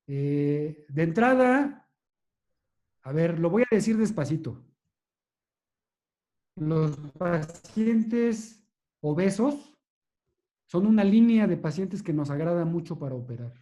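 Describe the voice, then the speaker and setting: Mellow-voiced surgeon lecturing. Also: male voice, on the high side, dull audio. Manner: measured, explanatory, with hesitations and restarts. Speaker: neurosurgeon lecturer. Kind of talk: academic lecture with questions.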